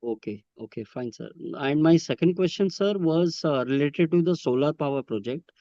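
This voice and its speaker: A man with an Indian accent asking questions on a business conference call in a halting, wordy, polite way. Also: fairly high pitch, dark tone, dry recording. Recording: muffled, lo-fi conference call audio.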